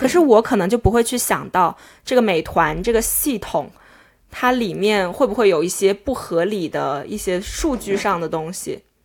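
A woman with an unremarkable speaking voice talks at a moderate pace and medium pitch, with lively intonation, on a very clean recording with a silent background. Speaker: podcast co-host, journalism student. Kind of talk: casual chat. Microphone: new microphone.

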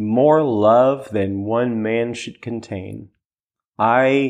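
An ordinary speaking voice, this man has an American accent, a fairly low pitch and fairly even intonation against a quiet background. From Missouri, US Midwest. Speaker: guest sharing faith story. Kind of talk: testimony.

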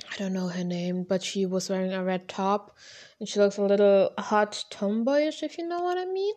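Her dark, mellow tone sits at a medium pitch for a woman, with ordinary pitch variation and a moderate pace. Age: young. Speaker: TV review youtuber. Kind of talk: casual show review monologue. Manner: animated.

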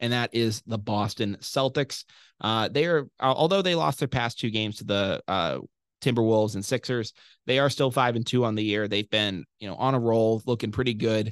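Speaking at a moderate pace, a man with an unremarkable speaking voice talks at medium pitch with ordinary pitch variation, and the sound is dry and close with no echo. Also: quiet background. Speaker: sports podcast host. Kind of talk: solo sports talk show. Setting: college radio studio. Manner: casual, many fillers.

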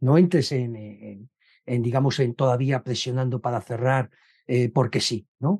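A somewhat breathy man's voice at a medium pitch, fairly slow in pace, with ordinary pitch variation. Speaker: B2B sales consultant. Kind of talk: casual interview.

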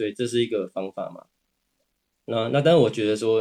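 With a dark, mellow tone, a man talks fairly quickly. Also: dry, close sound with no echo. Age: 30s. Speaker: yoga teacher, former engineer. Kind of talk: interview. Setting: online live stream.

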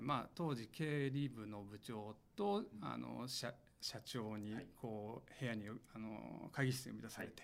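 A man with an unremarkable speaking voice, a moderate pace and ordinary pitch variation. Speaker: startup CEO. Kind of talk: interview.

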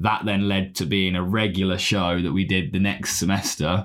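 The speech has an East Midlands accent and monotone, flat intonation. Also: man. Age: 20s. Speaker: podcast host. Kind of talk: casual chat. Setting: studio.

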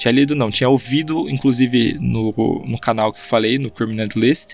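A man talks at a moderate pace with a medium pitch and ordinary pitch variation while music plays in the background. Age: 20s. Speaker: podcast host. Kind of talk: casual solo Q&A.

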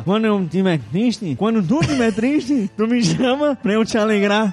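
A man uses a put-on character voice, high-pitched and nasal, at a moderate pace. There is light background noise. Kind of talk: casual, colloquial. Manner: imitating a nasal speech.

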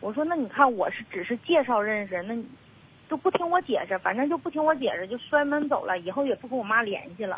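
A woman talks at a fairly quick pace in a high voice. Her pitch swings very widely. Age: 30s. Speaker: caller seeking advice. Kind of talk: phone-in personal story. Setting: phone call.

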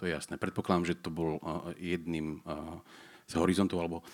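A man's very deep, low voice comes through a very clean recording over a silent background. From Slovakia, Spiš region. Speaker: philosophy lecturer. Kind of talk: public panel discussion.

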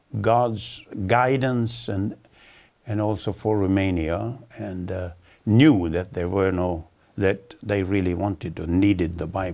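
A man speaks with a Swedish accent at a very slow pace. His pitch varies in an ordinary way. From Sweden. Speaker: missionary, Bible smuggler. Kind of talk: testimony.

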